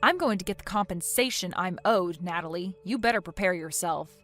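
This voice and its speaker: A woman voicing a calm, resolute young woman who speaks in a cold, measured, firm way. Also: lowish voice, soft background music, voice pushed down.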